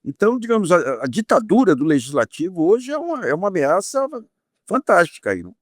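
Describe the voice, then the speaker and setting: A man with a Brazilian Portuguese accent commenting on politics in an animated way, often restarting and repeating words as he thinks. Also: high-pitched, fairly quick, no room sound, studio quality. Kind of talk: panel discussion.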